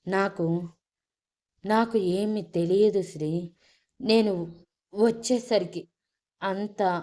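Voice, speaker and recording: A woman voicing a young man mourning his sister, his voice halting and breaking, in a storybook reading. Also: a little high, darkish tone, natural voice. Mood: broken.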